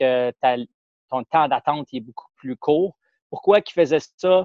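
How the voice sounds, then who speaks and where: With a Quebec accent, a man speaks at a fairly high pitch with ordinary variation, captured in a dry, close sound with no echo. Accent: Québécois French. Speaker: podcast co-host. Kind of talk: casual chat.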